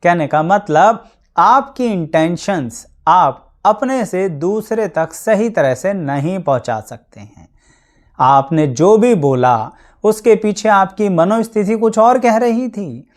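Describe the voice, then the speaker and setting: A man's voice: high voice, animated, takes it slowly. Male astrologer explaining to viewers. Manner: plain, practical explanations with everyday examples; mixes English words into Hindi.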